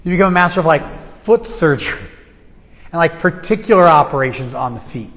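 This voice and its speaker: Fairly high-pitched and fairly bright, this man talks animatedly and fairly quickly as he teaches a class in a relaxed, conversational style, tossing in jokes and lots of fillers. He's a spiritual teacher giving an informal lecture, and the venue's long hall reverb is clearly heard.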